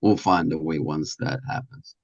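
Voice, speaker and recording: A man with a low, creaky voice gives explanatory interview answers. He speaks haltingly, pausing often to find the next word. The audio is dull and lo-fi. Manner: halting, searching for words, many pauses. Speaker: radio station presenter and producer being interviewed.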